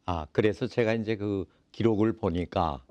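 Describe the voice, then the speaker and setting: A man hosting a sit-down interview, his voice set fairly low. He explains at an unhurried pace with lots of fillers, and the recording is dry and close. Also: darkish tone, no echo, lo-fi sound. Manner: leisurely, explanatory, many fillers. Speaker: interview host. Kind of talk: casual interview talk.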